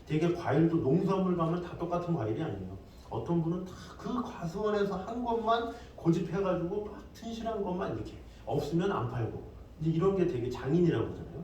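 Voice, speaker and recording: Pastor preaching in an echoey hall. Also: male voice, a little high. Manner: conversational preaching with lively asides. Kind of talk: sermon. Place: church sanctuary. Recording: echoey hall, distant mic, faint noise.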